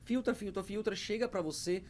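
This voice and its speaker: A man's voice: high-pitched, a little fast, darkish tone, a little hiss or hum. A man in his thirties, an English teacher speaking to camera, hesitant, with many fillers and repeated words. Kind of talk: talking to camera about learning English.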